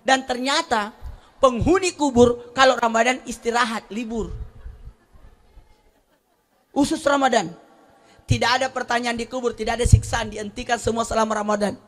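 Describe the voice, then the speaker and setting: A man preaching a sermon, animated and humorous, moving from soft storytelling to loud exclamations. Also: very high voice, moderate pace, long pauses. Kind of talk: sermon at a religious gathering.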